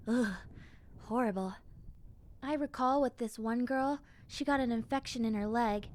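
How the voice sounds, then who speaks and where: Woman doing a chatty lil zombie girl, friendly n lonely, kinda high girly voice, audio rp talking right to you. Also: darkish tone, a little hiss or hum, natural voice. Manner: casual, chatty, conversational, girlish. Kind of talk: scripted audio roleplay, speaking to the listener.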